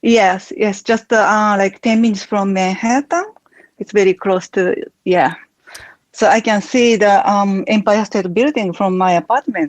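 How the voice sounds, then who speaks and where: Speaking in a Japanese accent, a woman talks at a fairly slow pace. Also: medium pitch for a woman, ordinary pitch variation. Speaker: aspiring life coach. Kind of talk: coaching conversation. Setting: Clubhouse audio room. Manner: halting, many fillers.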